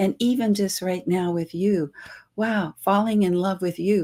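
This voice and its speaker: A woman with a medium-pitched voice and a warm yet dark, mellow tone speaks at a fairly slow pace with ordinary pitch variation, recorded dry and close with no echo, very cleanly over a silent background. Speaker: coach helping people overcome fear. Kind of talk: podcast interview.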